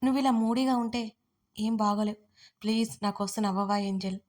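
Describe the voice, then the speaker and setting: A woman voicing a gentle young man who pleads softly, read in an audio story. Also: mid-range voice, fairly even intonation, a little fast, natural voice. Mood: pleading. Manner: soft, pleading.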